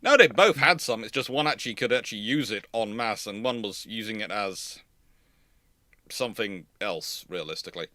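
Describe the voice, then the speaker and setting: Bright-voiced man hosting a dry, close-miked livestream. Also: lowish voice, animated, normal speed, no room sound. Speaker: host of a naval history livestream. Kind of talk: casual panel chat and commentary.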